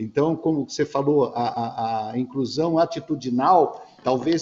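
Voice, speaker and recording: The voice belongs to a man. He talks at a fairly slow pace. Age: 60s. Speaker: TV show host. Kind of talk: interview.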